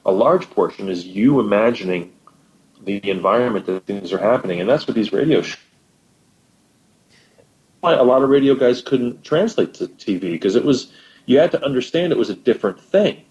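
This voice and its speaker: A man with a low voice talks as a guest on a podcast. He explains at length with stammering repeats. His recording sounds dull and lo-fi. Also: expressive, moderate pace, a little mellow. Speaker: guest co-host. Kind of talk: casual chat.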